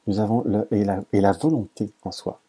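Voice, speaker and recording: Male tarot reader, low mellow husky voice, halting and self-correcting delivery. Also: fairly even intonation. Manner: hesitant, stammers and restarts often. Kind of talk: casual tarot reading to camera.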